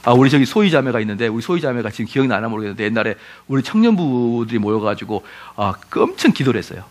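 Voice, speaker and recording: A man's voice: medium pitch, fast talker. A middle-aged male pastor giving a lecture-style sermon, firing rhetorical questions at his listeners and acting out quoted voices. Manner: animated, asks the audience rhetorical questions, acts out quoted voices.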